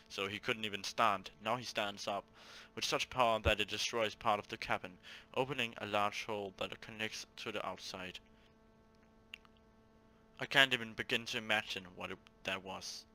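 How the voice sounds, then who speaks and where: A man with a lowish voice reads a visual novel aloud for a gaming video. His delivery is halting, with stumbles and repeated words, mixed with casual commentary. Music plays clearly behind him. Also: pushed and bright, poor audio.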